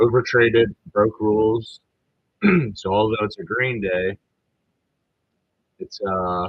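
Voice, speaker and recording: At a very slow pace, a man speaks somewhat breathily in a fairly low pitch. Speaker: day trader vlogger. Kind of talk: casual trading recap vlog. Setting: in an RV.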